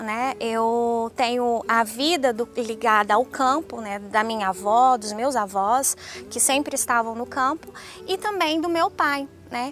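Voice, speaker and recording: Pitched fairly high, a woman speaks at a very slow pace with ordinary pitch variation. Noticeable background noise is present. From Maranhão, Brazil. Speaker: animal science professor. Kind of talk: interview. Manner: halting.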